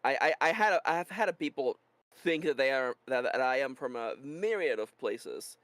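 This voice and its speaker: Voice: medium pitch, lively intonation, normal speed, a bit bright, no echo. A streamer who is not a native English speaker, with a slight Californian accent, chatting casually, reading out chat and often restarting words. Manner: stammering restarts, reads chat aloud. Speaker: streamer co-host.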